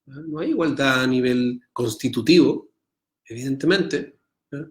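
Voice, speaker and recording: A middle-aged man with a Chilean Spanish accent leads an online Torah class, reading Hebrew text aloud and translating it line by line. He speaks in a mid-range voice at a measured pace and checks in with his students often.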